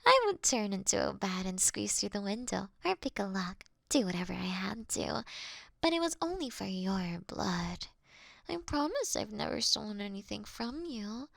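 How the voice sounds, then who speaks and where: A woman's voice: mid-range voice, big pitch swings, gravelly, no echo, heavily acted. A woman playing a courteous, doting vampire in a scripted roleplay, speaking intimately and breathily, often slipping into a whisper. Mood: earnest, coaxing. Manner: slow, intimate, gently theatrical. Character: female vampire, courteous, doting, wryly confessing to her sleeping prey. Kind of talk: scripted roleplay audio for one listener.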